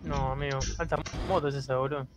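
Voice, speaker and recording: A man's voice: mid-range voice, steady tone, fast talker. A man with an Argentine accent chatting casually in slang as a player in an online roleplay game. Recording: noisy game voice chat, vehicle sounds.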